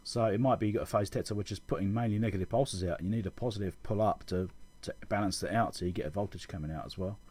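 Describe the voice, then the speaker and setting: A man with a husky, fairly low voice talks through a technical explanation. His tone is soft-edged and relaxed, and his delivery is informal, like someone thinking aloud while he teaches. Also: fast talker, few pauses. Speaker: electronics repair video host. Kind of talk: casual technical tutorial over schematics.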